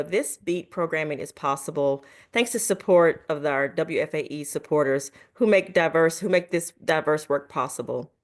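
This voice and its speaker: Low-voiced woman making a station appeal. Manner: polite, reads prepared remarks. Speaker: station membership director. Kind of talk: scripted appeal for donations.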